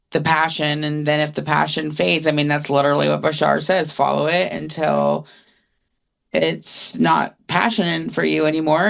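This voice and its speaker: A woman co-hosting a podcast, telling rambling stories in relaxed casual chat. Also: sits low, creaky, muffled recording. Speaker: podcast co-host.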